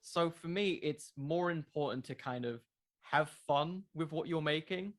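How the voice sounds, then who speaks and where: A man's voice: fairly high pitch, a little slow. A man in his twenties chatting casually as an interview guest, thoughtful and informal, often hesitating and restarting with filler words. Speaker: podcast creator, interview guest.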